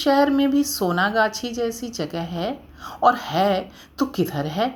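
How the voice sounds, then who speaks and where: Her tone calm and soothing, a woman speaks with very wide pitch swings in a very clean recording against a silent background. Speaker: author, actor, folk singer and storyteller. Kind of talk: relaxing bedtime-style story narration. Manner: calm, soothing.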